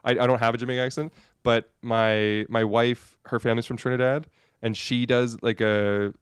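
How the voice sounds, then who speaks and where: A man's voice: medium pitch, level tone, moderate pace, smooth, no echo, clean studio sound. A man chatting casually on a live stream over a video call, telling a rambling story with many restarts. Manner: rambling, restarts and self-corrections.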